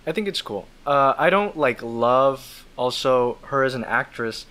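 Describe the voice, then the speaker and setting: A man with a bright, forceful voice, chatting as a guest on a podcast. He gives his opinions in an animated, exasperated way. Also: mid-range voice, unhurried. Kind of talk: casual podcast chat.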